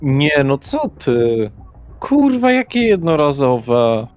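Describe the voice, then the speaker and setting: A man's voice: a little high, big pitch swings, slow, darkish tone, soft background music. Man acting cocky foul-mouthed young street guy. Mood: eager, excited. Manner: slangy, swearing, pushy.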